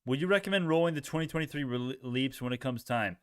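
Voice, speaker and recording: A man's voice: mid-range voice, fast talker, smooth, no room sound, studio quality. A young man hosting a casual live stock-trading stream, reacting to chat in informal bro slang and often repeating himself as he thinks aloud. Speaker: livestream host, retail stock trader.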